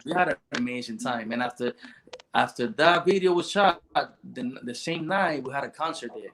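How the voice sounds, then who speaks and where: Male podcast host, easygoing chatty storyteller, middle pitch. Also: normal speed, slight background noise. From Puerto Rico. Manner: relaxed storytelling with fillers and restarts. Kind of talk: casual chat.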